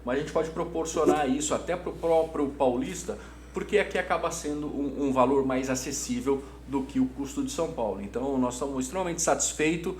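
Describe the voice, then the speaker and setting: A man's voice: mid-range voice, brisk, darkish tone. A middle-aged Brazilian man answering conversationally as an interview guest, enthusiastic and emphatic, often repeating his words. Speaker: interview guest, hotel business executive. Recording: roomy echo, audible background hum.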